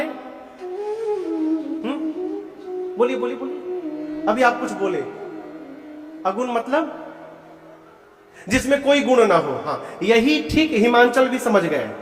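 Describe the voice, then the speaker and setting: A man with an Eastern Uttar Pradesh accent preaching a devotional sermon, telling the story, questioning the audience and chanting verses slowly. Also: very high voice, fairly bright tone. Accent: Eastern Uttar Pradesh (Purvanchal). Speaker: kathavachak preacher. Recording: echoey hall with faint music.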